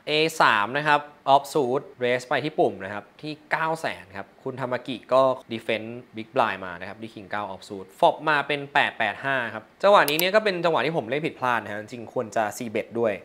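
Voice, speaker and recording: A young man talks through his poker hands in a loose, chatty way, animated and quick to poke fun at his own mistakes. His voice sits at an ordinary middle pitch for a man, and he drops English poker jargon straight into his speech. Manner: lively, self-mocking, mixing English poker terms into speech. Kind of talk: casual hand-review commentary.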